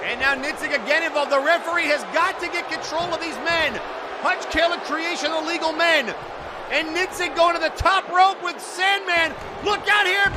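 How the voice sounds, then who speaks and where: A man giving live wrestling play-by-play, shouting excitedly and exclaiming at the action and the referee. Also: very high voice. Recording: noisy event audio with loud crowd. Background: crowd noise and slamming thuds.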